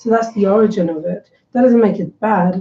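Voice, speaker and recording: A woman speaks at medium pitch and a moderate pace. Her voice is somewhat breathy, with fairly even intonation. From Portugal. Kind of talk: casual chat.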